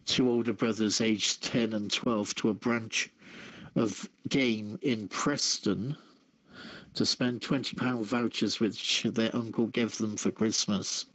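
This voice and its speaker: A man hosts a casual online radio show, mixing news stories with chat. His delivery is very slow and hesitant, broken up as he feels for the next word. His voice sits at an average pitch. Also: rough recording.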